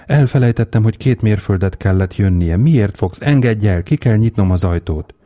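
A man voicing a desperate old mother in a read-aloud story, raising his voice high and shrieking her lines. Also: animated, mellow, lightly acted. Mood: frantic shrieking. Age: older. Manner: shrieking, pleading. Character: frantic old mother, grief-stricken and desperate.

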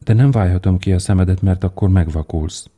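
A man voicing a small, kind-hearted male swallow in a read fairy tale, speaking in a pleading, gently emotional way. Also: deep voice, breathy edge. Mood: gentle, worried.

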